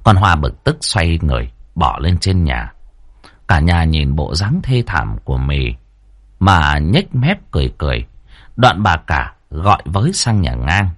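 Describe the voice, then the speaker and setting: A man narrating a horror story in a vivid, expressive storytelling manner. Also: extremely low pitch, measured pace, no room sound, studio quality.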